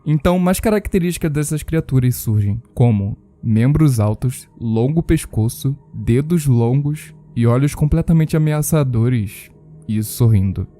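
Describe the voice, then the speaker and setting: Dark-voiced Brazilian man narrating horror commentary. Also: medium pitch, expressive, a little slow, soft background music. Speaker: video narrator. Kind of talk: scripted horror video commentary.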